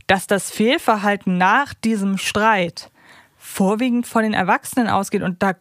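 A woman's voice: mid-range voice, moderate pace, no room sound, clean studio sound. A woman co-hosting a podcast, talking through topics in a casual, analytical style. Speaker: podcast co-host. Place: close, dry podcast recording.

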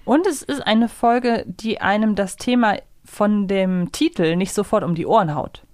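A woman's voice: mid-range voice, a little slow, darkish tone, dry recording, studio quality. A woman in her thirties hosting a podcast in a casual, chatty style. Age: 30s. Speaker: podcast host. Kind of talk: casual chat.

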